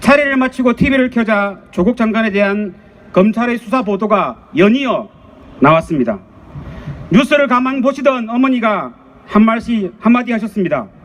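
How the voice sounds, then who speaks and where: A man with a high pitch speaks at a moderate pace with ordinary pitch variation. Noticeable background noise runs under his voice. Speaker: rally speaker. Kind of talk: prepared speech read at a rally.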